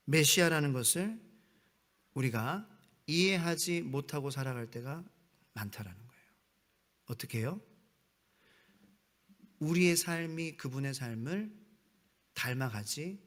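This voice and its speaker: A man's voice: a little high, fairly bright tone. A man preaching a midweek evening sermon as pastor, reading scripture and acting out mocking voices of the crowd. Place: church sanctuary. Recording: long church hall reverb.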